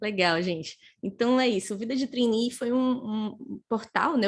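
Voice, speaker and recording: With a Pernambuco accent, a woman speaks using lively intonation. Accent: northeastern Brazilian (Pernambuco). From Pernambuco, Brazil. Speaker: career speaker and HR recruiter. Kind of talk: live online talk. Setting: online livestream. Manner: fast; animated.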